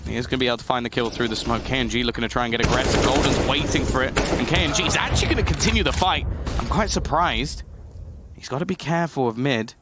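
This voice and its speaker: A man gives esports caster commentary in a medium-pitched voice. He follows the play and analyses it as it unfolds. Clicks and gunfire from the game run clearly behind his voice. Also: fast, very noisy. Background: video game gunfire and clicks.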